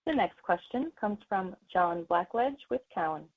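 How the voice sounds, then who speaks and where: A woman's voice: medium pitch, expressive, normal speed. A woman working as a conference call operator, making formulaic announcements of the next caller. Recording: tinny narrow phone line.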